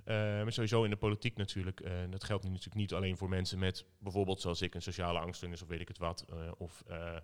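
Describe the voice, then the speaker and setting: A man's voice: sits low, level tone, quick pace, hardly any pauses, smooth. A Dutch man, a political candidate, talking in a casual panel with many fillers and restarts.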